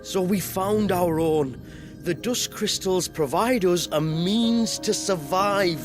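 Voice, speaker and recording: An actor playing a defiant tribal chief in a video game, speaking earnestly and emotionally. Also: male voice, sits high, slow pace. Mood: proud, earnest. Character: desperate, defiant young tribal chief, male. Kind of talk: dramatic game dialogue. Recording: music behind.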